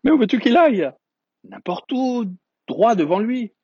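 A little boy prince from another planet, curious and insistent, speaking high and earnest, as a male reader puts him on. The voice is husky, with a dry, close sound. It comes through a dull, lo-fi recording. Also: big pitch swings, a little slow, no echo, exaggerated voice. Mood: amazed. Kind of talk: storybook read-aloud.

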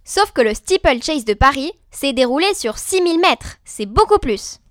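A young woman co-hosting a scripted debate show, expressive and playfully indignant. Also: high voice, normal speed, no room sound, studio quality. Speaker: co-host.

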